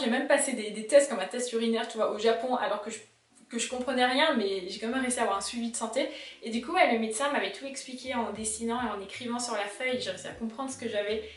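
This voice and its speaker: A young woman with an Alsatian accent, chatting casually to camera as a vlogger, animated and talking straight to her viewers. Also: fairly high pitch, distant mic. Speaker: illustrator vlogger. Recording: roomy sound, mic set back.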